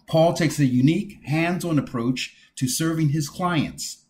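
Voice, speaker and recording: A man hosting an interview podcast, introducing his guest in a measured, formal way. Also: fairly high pitch, darkish tone, a little hiss or hum. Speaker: podcast host.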